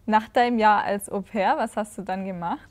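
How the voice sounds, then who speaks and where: A woman interviewing a guest, asking questions clearly and encouraging her with frequent short agreements. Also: mid-range voice, fairly even intonation, normal speed. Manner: encouraging, frequent back-channel "mhm".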